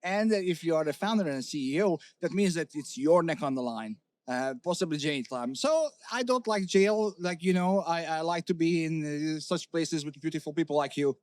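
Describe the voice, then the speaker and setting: Candid middle-aged man, higher voice, dry sound. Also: normal speed, few pauses, no echo. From Hungary. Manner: candid, animated, many fillers and restarts. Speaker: company CEO, guest. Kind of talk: casual interview talk.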